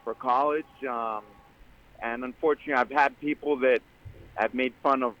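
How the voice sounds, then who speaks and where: A man from Greece calling in to a radio show, talking earnestly with many pauses. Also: mid-range voice, fairly even intonation. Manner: earnest, with many ums, speeds up when joking. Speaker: caller. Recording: dull lo-fi phone line.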